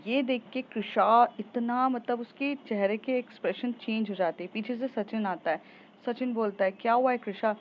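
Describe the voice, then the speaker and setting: A woman's voice: on the high side, normal speed, lo-fi sound, slight background noise. Woman casually narrating a love story. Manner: conversational, uses fillers.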